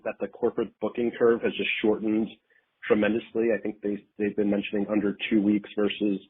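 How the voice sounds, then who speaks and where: Husky guy on a phone call, lowish voice, analyst asking stuff on earnings call. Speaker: financial analyst asking questions. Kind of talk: unscripted earnings call questioning. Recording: narrow muffled phone line.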